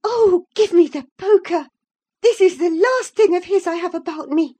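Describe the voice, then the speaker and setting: A woman's voice: very high voice, mellow, pitched above the performer's own voice. A woman voicing a distraught, fiery young lady. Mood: bitter. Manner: breathless, agitated, rapid outbursts.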